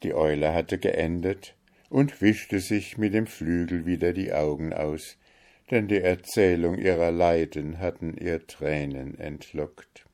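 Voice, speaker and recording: Slow, low-voiced male storyteller. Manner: measured and calm. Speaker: narrator. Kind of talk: audiobook storytelling.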